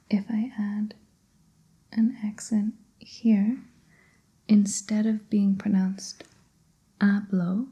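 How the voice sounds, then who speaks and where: A woman whispering a Spanish grammar lesson, slow and patient, in a breathy ASMR style. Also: mid-range voice, mellow, low-quality recording. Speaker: Spanish tutor.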